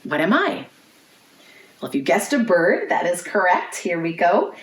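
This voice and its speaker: A woman's voice: on the low side, very animated, a little slow. Echoey woman reading storytime to young children. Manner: clearly phrased, interactive, asks children questions. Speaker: children's librarian, storytime host. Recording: roomy, echoey indoor sound.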